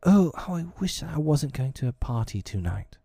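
A man voicing a gentle, anxious mother in a storybook, tender and entreating. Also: medium pitch, huge pitch swings, normal speed, dry recording, studio quality, pitched above the performer's own voice. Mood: fearful. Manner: entreating, hushed concern.

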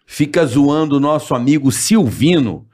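A man's voice: a little high, animated, moderate pace, darkish tone. A man hosting a podcast, laid-back, reading out listener questions and bantering. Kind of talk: casual chat.

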